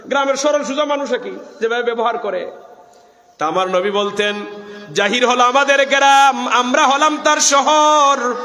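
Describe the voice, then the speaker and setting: A man from Bangladesh with a Sylheti Bengali accent preaching a waz sermon to an open-air gathering, telling stories with passion and breaking into chant. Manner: impassioned storytelling, voice rising high on quotes. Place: open-air religious gathering, speaker seated above crowd. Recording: echoey loudspeaker sound with long reverb.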